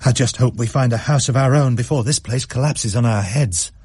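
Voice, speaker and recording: A man reading a radio story, voicing a brisk mother with a dry, scolding humour. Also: mid-range voice, darkish tone, breathy edge, dry recording, natural voice. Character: brisk, dry-witted mother, middle-aged.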